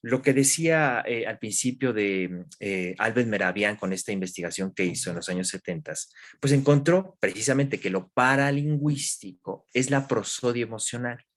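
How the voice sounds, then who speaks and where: A man, a guest expert in an interview, explaining calmly with examples and questions to the listener. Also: mid-range voice, moderate pace, few pauses. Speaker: guest expert in human development.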